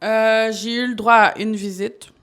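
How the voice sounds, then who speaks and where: A woman's voice: fairly high pitch, little pitch movement, measured pace, fairly bright tone. A woman guest on a live podcast, telling her story candidly and laughing often. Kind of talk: casual live podcast chat. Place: studio. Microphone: podcast microphone.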